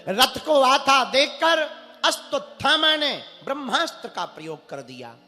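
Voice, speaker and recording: A man's voice: very high voice, big pitch swings, a little slow, bright, forceful tone. A man preaching a devotional sermon, telling a sacred story and voicing its characters, at times chanting Sanskrit verses. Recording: large hall with long reverb, faint music.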